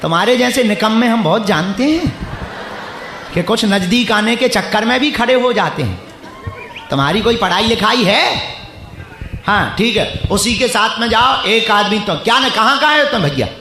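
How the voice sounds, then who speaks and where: A man's voice: sits high, expressive, normal speed, bright, forceful tone, roomy sound, a little hiss or hum. A preacher addressing a live crowd in a packed stadium, teasing and bantering with people he calls up. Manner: teasing, bantering with audience members. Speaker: preacher leading a religious gathering.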